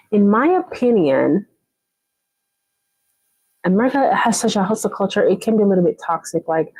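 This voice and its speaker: A woman's voice: mid-range voice, warm tone, no room sound, poor audio. A woman from Jamaica, hosting a casual motivational live chat, encouraging her viewers and often repeating herself to check in with them. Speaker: live stream host.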